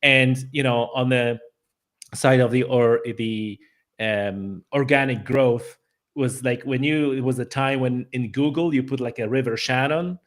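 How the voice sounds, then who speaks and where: Podcast guest: man with a Polish accent, mid-pitched, loose and conversational, full of fillers and restarts. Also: a little slow. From Poland. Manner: chatty, with frequent fillers and restarts. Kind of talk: casual interview conversation.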